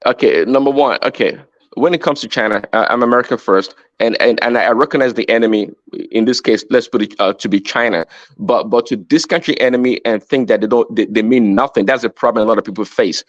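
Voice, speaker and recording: A man's voice: medium pitch, brisk, no room sound, muffled recording. A man arguing emphatically in a heated group discussion, stumbling over and repeating words as he presses his point. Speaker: panelist.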